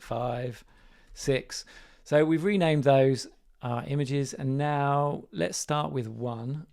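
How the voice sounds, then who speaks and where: A man with a slightly croaky voice, thinking aloud and correcting himself as he demonstrates software live. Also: medium pitch. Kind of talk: live screen-share walkthrough.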